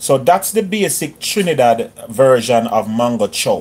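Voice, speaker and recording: The speaker is a man. He uses ordinary pitch variation. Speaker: home cook vlogger. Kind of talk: casual cooking tutorial. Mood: upbeat, joking. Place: kitchen. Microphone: phone near.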